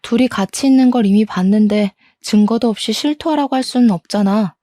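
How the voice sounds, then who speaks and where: A woman voicing a betrayed wife confronting her cheating husband with indignant, sharp words. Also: fairly high pitch, fairly quick, no echo, studio quality, lightly acted.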